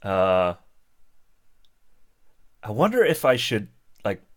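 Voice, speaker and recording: A man from Sweden, chatting casually and haltingly on his live stream, chuckling between many fillers. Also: fairly low pitch, big pitch swings. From Stockholm, Sweden. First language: Swedish. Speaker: YouTuber hosting a live stream. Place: home setup at a table.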